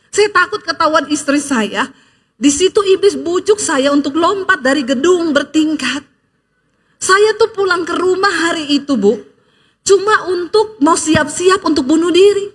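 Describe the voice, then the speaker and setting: A woman pastor with an extremely high voice gives a lively sermon, telling stories, acting out the people she quotes, and throwing in joking asides.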